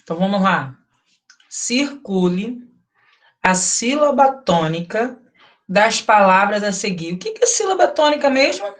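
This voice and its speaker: A woman's voice: mid-range voice, very animated, a little slow. A woman with a Brazilian Portuguese accent teaching primary schoolchildren in an online class, patiently breaking words into syllables, heard through a computer mic on a video call.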